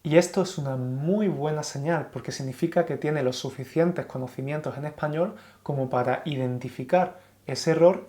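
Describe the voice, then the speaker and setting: Mellow-voiced Andalusian Spanish teacher. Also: male voice, fairly high pitch. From Spain. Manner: encouraging, reformulates points for learners. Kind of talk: explanatory video lesson.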